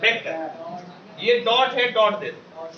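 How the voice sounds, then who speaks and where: Male maths teacher, keeps firing questions for the class to shout back; distant, lo-fi mic. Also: high voice, takes it slowly, roomy sound, a little hiss or hum. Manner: drills students with call-and-response questions. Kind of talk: classroom lecture.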